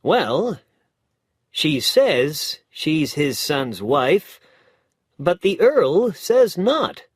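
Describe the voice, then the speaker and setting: A man doing a brisk young lawyer. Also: on the high side, very animated, slightly rough, no room sound, clean studio sound, voice pushed up, heavily acted. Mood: chatty. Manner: chatty, raised voice.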